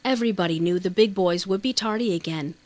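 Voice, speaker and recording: A woman narrates a children's novel in a mid-range voice. Her delivery is scripted and measured, with the expressive shaping of an audiobook storyteller. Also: medium pitch.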